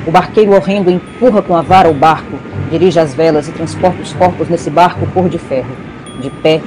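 A woman's voice: fairly low pitch, rough recording. A woman with a Brazilian accent giving scripted dramatic narration as the storyteller of an audio drama.

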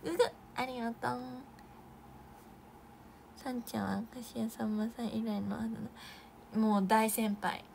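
A young Japanese idol woman chatting casually on a live stream, reading viewer comments with bursts of excitement and soft asides. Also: a little high, normal speed, vocal fry, long pauses, a little hiss or hum.

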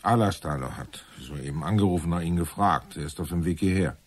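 An actor playing a stern, weary police inspector in a radio drama, questioning with blunt authority. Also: male voice, low voice, fairly quick, slightly rough. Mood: tired, matter-of-fact. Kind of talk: German radio drama acting.

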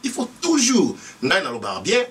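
A man's voice: high voice, huge pitch swings, moderate pace, far from the mic. A middle-aged man from the DR Congo, speaking emphatically to camera as a promoter and mixing French and Lingala. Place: indoor studio set.

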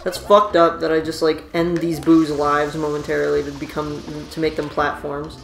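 A woman's voice: low-pitched, level tone, normal speed, creaky. A woman hosting a let's play, chatting casually and swearing freely as she jokes around. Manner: laid-back, profane, joking. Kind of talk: casual gameplay chat. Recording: roomy room, faint game music.

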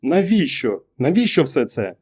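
A man's voice: a little high, big pitch swings, fairly quick, darkish tone, pitched above the performer's own voice. A man reading an audiobook, raising his voice to play an anxious, exasperated wife who keeps pressing her husband with questions. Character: anxious middle-aged wife, exasperated and pleading. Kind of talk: audiobook character voice.

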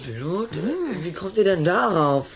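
A woman playing an anxious, sensible schoolboy who is quick with excuses, in a children's audio drama. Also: lowish voice, lively intonation. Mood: evasive.

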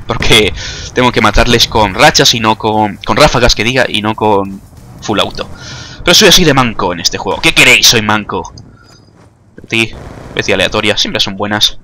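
A man's voice: lowish voice, fairly quick, pushed and bright, a little hiss or hum. A young man with a Spanish accent from Spain gives chatty, joking commentary while playing a game, mocking his own skills. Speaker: gaming commentator. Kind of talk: casual gameplay commentary.

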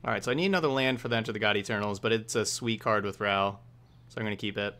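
A man's voice: on the low side, rapid-fire, bright, forceful tone. A man in his thirties giving casual commentary on a game he is streaming from a room at home.

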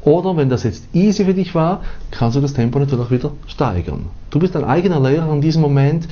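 A man's voice: fairly high pitch, expressive, fast, dark tone. A man with a Swiss German accent teaching a piano lesson, counting rhythm syllables aloud as he plays. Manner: chants rhythm syllables while playing. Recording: slightly dull audio with piano and metronome. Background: piano playing.

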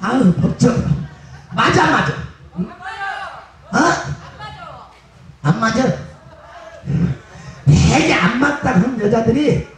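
A man, a pumba street performer, teasing the crowd with loud, bawdy jokes at an outdoor beach show. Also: very high voice, lively intonation, slow pace, pauses often. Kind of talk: bawdy stage banter with the crowd. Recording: echoey PA sound from far off, music behind.

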